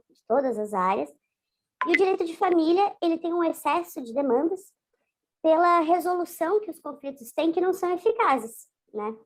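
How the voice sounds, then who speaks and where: A woman guest in an interview, her voice altered by a voice changer, telling her story in a hesitant, conversational way with frequent restarts. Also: sits high. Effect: voice changer disguising the voice. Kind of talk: casual recounting in a video interview.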